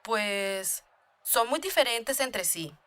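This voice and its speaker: A woman's voice: fairly high pitch, animated, slow pace, a bit bright, smooth. A woman reading a scripted chatty dialogue for a beginner language lesson.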